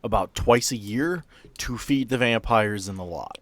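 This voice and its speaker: A man narrating an improvised tabletop horror game as game master, with theatrical storytelling and dramatic pauses. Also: fairly low pitch, dry recording. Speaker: game master, podcast host.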